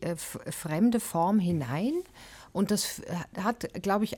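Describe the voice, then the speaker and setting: A woman music critic answering on a radio panel, thinking aloud with many pauses and fillers and sometimes dropping into a near whisper. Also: fairly low pitch, dark tone. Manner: searching for words, hesitant with many fillers, drops to a whisper at times. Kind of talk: thoughtful spontaneous discussion.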